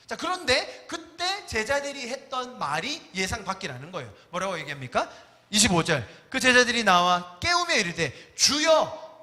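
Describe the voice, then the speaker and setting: Male pastor, animated sermon delivery, very high and bright tone, wide pitch movement. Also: in a large hall. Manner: animated, acts out voices of disciples and Jesus. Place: church sanctuary.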